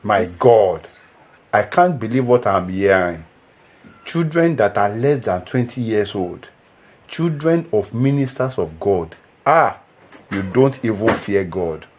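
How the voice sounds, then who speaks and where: A man's voice: lowish voice, expressive, slow. An actor playing an earnest young Christian man who preaches and pleads. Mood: preachy. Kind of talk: film drama acting.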